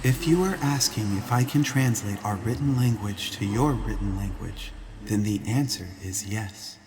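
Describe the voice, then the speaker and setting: A man's voice: on the low side, normal speed, noisy background, close to an everyday voice. A man voicing a polite, emotionless female avatar of an artificial messenger, speaking formally and precisely. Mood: formal, detached. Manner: formal, precise, programmed delivery.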